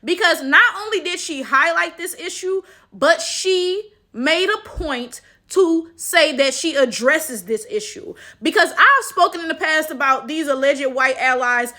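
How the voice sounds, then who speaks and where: A woman's voice: sits high, lively intonation, unhurried, hardly any pauses, pushed and bright. A woman from the United States giving opinionated, casual commentary in an emphatic, slangy, sardonic manner, often punctuated with rhetorical check-in questions. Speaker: social commentary video host.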